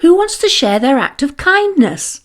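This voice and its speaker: A woman's voice: high-pitched, very animated, normal speed, voice pushed up. A woman voicing a cheerful, encouraging primary school teacher in a storybook, stretching words for emphasis. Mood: gently teasing, warm.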